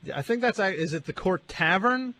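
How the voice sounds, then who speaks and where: A man's voice: high-pitched, lively intonation, moderate pace, pushed and bright, a little hiss or hum. A man hosting a radio show, interviewing a caller in a dry, needling way and patiently correcting him. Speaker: radio host. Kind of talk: deadpan on-air interview.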